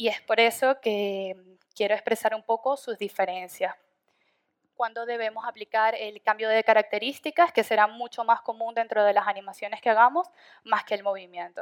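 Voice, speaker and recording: In a normal speaking voice, a woman with fairly high pitch talks at a moderate pace with fairly even intonation, in a dry, close sound with no echo. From Venezuela. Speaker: UX designer. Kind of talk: lecture.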